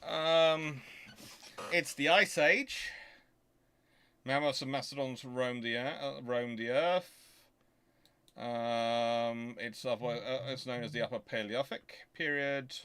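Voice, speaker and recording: A man's voice: medium pitch, pushed and bright, clean tone. A man hosting a history talk, answering questions off the cuff and often stopping to rephrase as he thinks aloud. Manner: halting, thinking aloud with repeated self-corrections. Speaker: host of a naval history channel.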